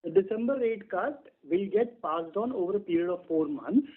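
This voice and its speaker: A man's voice: high-pitched, expressive, moderate pace. An Indian man explaining figures as a bank executive on an earnings call, checking his points as he goes. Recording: muffled band-limited conference phone line.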